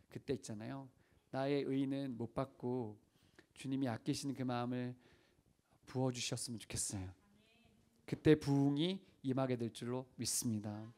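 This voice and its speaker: A man's voice: mid-range voice, darkish tone. A man preaching as senior pastor, telling stories earnestly and asking the congregation questions. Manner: earnest storytelling, acting out prayers and dialogue. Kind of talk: sermon.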